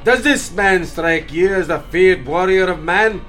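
A man's voice: sits high, measured pace, fairly bright tone, soft background music. An actor playing a proud, menacing old king, commanding and sneering in an audio drama. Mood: scornful. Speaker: villain.

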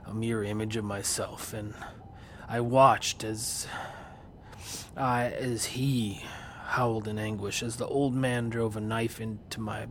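An actor playing a grave warrior, telling his own story in a solemn, hushed first-person narration. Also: fairly low pitch, fairly even intonation, takes it slowly, slight background noise. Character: grave Viking warrior man recounting his past.

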